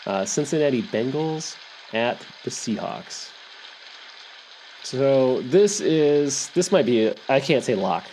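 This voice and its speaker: A man's voice: mid-range voice, animated, moderate pace, a little hiss or hum, poor audio. A man hosting a podcast, thinking aloud in a casual, rambling monologue about game picks and often correcting himself mid-sentence. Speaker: podcast host. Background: soft rain sounds.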